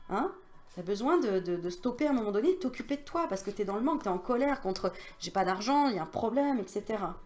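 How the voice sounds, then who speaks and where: A woman's voice: medium pitch, lively intonation, fast, darkish tone. Chatty woman giving a card reading. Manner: chatty and familiar, full of fillers and asides; coaxing, reassuring and insistent. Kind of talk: casual oracle card reading addressed to the viewer.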